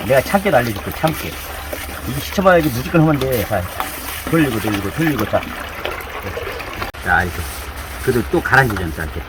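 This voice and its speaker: A male cooking channel host giving a hands-on demonstration, repeating each step aloud as he works. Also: medium pitch. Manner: repetitive running commentary while working, chanting instructions. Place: indoors with downpour outside. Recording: heavy rain noise behind the voice.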